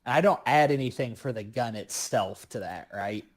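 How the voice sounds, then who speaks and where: A man's voice: medium pitch, moderate pace. Male tabletop player, average register, casual joking chat during a streamed game.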